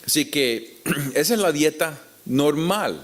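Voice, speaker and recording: A man with a Puerto Rican Spanish accent teaching the Bible to an audience in a deliberate, explanatory way with rhetorical questions. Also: a little high, animated, a bit bright. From Puerto Rico. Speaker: preacher teaching at a conference.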